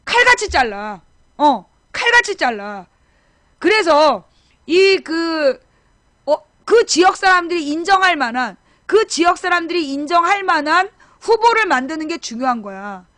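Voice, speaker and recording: A woman's voice: extremely high pitch, big pitch swings, measured pace, fairly bright tone, no room sound, clean studio sound. A middle-aged woman hosting a casual live-streamed political talk show, rambling and correcting herself as she addresses viewers directly.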